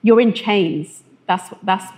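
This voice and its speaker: A woman from West London shares her testimony in a relaxed, conversational way, pausing often and searching for words. She speaks at a middling pitch, and her voice lifts and speeds up when she mimics the warnings she heard growing up. She is on a church stage. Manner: hesitant, filler-heavy, animated when quoting others. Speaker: testimony guest.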